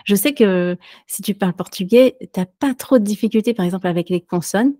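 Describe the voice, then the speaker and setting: A woman who teaches French, answering interview questions casually with many pauses and fillers. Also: mid-range voice, dark tone, no echo, clean studio sound. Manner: hesitant, many fillers and restarts, light laughs. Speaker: French teacher and podcaster, guest.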